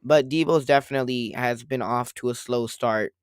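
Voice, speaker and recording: A man co-hosting a casual sports podcast, rambling and circling back to his points, a little hoarse after a cold. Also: mid-range voice, normal speed, dry recording, clean studio sound. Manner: rambling, repeats himself, quotes others. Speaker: podcast co-host.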